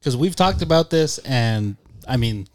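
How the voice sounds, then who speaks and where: A man's voice: mid-range voice, expressive, unhurried, no room sound, clean studio sound. A man co-hosting a casual interview with informal, slangy talk. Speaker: podcast co-host.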